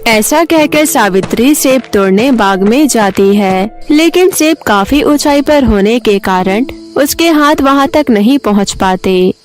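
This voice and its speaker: A woman's voice: fairly high pitch, lively intonation, a little slow, few pauses, soft background music. A woman storyteller reading a scripted children's story as narrator.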